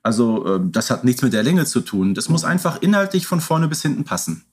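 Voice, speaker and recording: Man, podcast co-host, conversational, opinionated, emphatic, mid-range pitch. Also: lively intonation, brisk, breathy edge.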